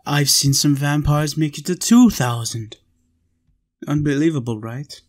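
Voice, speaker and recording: A man playing a centuries-old but youthful vampire in an intimate roleplay audio, coaxing and possessive yet tender, speaking in deliberate short phrases with pauses. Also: medium pitch. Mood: musing, hushed. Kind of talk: intimate roleplay audio, slow monologue to listener.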